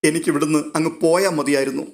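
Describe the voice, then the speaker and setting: A man reads as a young woman in a storybook, close to tears, earnest and pleading. The voice is lifted higher and sounds choked. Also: steady tone, fast talker, creaky, a little mellow. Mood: tearful. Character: young woman, tearful and selfless.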